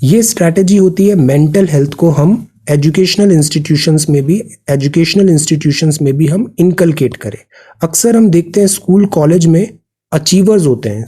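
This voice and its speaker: A man's voice: a little high, mellow, husky. A man teaching a current affairs exam prep lesson, mixing Hindi and English with an Indian English accent, explaining words and asking students questions. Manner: explanatory, drills pronunciation, asks students questions.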